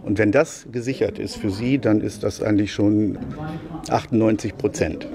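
A man working as a social worker, explaining his work thoughtfully in an interview with some pauses. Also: lowish voice, steady tone, gravelly, crowd noise. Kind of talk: interview answer.

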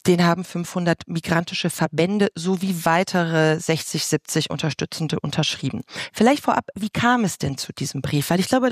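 A woman's voice: lowish voice, no room sound, studio quality. A woman representing a media association, firmly rebutting the framing in a panel debate. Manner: firm, rebutting, emphatic.

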